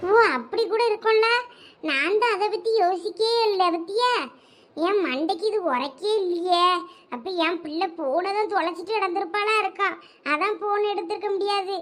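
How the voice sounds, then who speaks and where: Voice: very high-pitched, fairly bright tone. A voice actor playing a worried middle-aged village mother in a cartoon, lamenting in a Thoothukudi accent. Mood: relieved. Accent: Thoothukudi Tamil.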